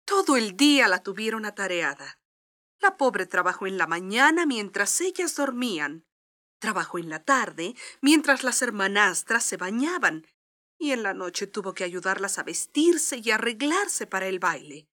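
A woman's voice: mid-range voice, very animated, moderate pace, bright, forceful tone. A woman narrating a scripted children's story as a storyteller.

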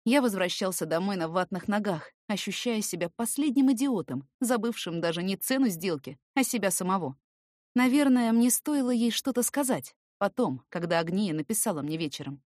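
A woman narrates a first-person audiobook story. Her voice sits at a medium pitch with expressive delivery, and the recording is dry, free of room echo.

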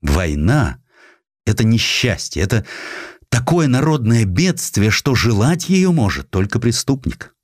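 A man's voice: mid-range voice, big pitch swings, unhurried, no echo, studio quality. A man playing a blunt, passionate and headstrong Russian general in a dramatized audiobook. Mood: grave, insistent. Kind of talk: audiobook character acting.

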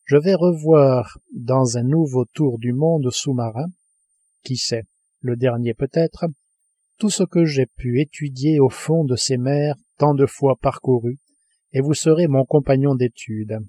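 Brief: male reader as cold, grave submarine commander, dark tone, audiobook. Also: medium pitch, breathy edge, dry recording, studio quality. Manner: grave, measured. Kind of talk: audiobook reading.

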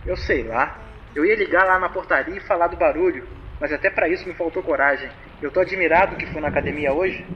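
A man's voice: a little high, brisk, dull audio, a little hiss or hum, lightly acted. An actor playing a frightened young man who tells his story in slangy, breathless bursts. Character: scared young man leaving voicemails.

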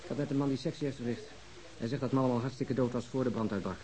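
A man's voice: medium pitch, fairly even intonation, fast, dark tone, natural voice, low-quality recording. A man playing a wry, weary police detective with a dry manner in a Dutch radio drama. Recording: hissy old radio drama recording.

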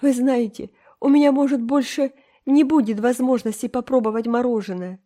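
A woman's voice: medium pitch, steady tone, moderate pace, mellow, lightly acted. A woman voicing a dreamy, dramatic orphan girl in an audiobook, talking in a theatrical, emotional way. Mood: pleading. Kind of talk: audiobook character reading.

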